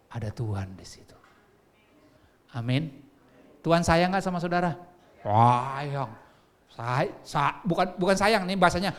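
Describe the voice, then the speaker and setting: An Indonesian-accented male pastor delivers a sermon in a slightly high voice. He swings from loud, urging exhortation to soft, hushed, fatherly tones. He breaks into sung phrases and asks the congregation questions.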